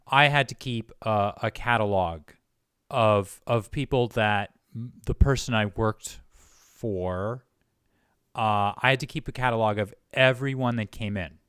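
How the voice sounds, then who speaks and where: Man, interview host, smooth clear voice, dry studio-like sound, casual, playful. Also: mid-range voice, bright, forceful tone, no echo.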